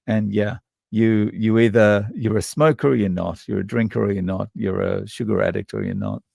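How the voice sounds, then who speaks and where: Australian male guest, low and very gravelly, halting and thoughtful delivery, dry close sound. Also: expressive, a little mellow, dry recording. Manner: halting, thoughtful, many restarts and fillers. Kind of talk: casual interview conversation.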